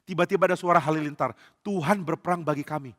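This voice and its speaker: A man doing a modest young warrior who speaks plainly and respectfully to his king. The voice is bright and carries through a large, reverberant church. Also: fairly high pitch, fast talker, natural voice. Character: humble brave young warrior David.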